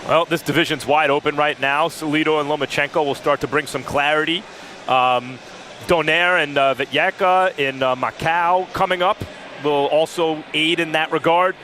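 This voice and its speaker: A man's voice: a little high, steady tone, normal speed, bright, forceful tone, a little hiss or hum. A man giving boxing analysis on a broadcast, speaking plainly and bluntly with some fillers.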